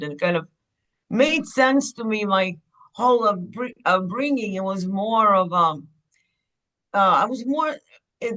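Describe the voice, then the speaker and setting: A woman speaks as a podcast guest, her voice bright and forward. She tells her story candidly and at an unhurried pace. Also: mid-range voice, poor audio. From Ukraine. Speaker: guest, clinic owner. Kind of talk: podcast interview.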